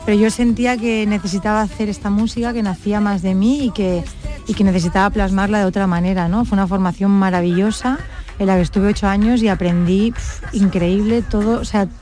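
A woman's voice: medium pitch, steady tone, fairly quick, soft background music. A woman in her thirties from Barcelona, a singer answering radio interview questions in a thoughtful way, often ending with a questioning tag. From Barcelona, Spain. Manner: thoughtful, warm, frequent "¿no?" tags. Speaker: singer guest.

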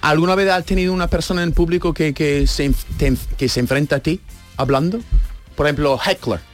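A man on a radio panel speaks in a slightly high voice. He chimes in with curious questions. A faint wash of music sits behind him. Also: brisk. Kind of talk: radio interview.

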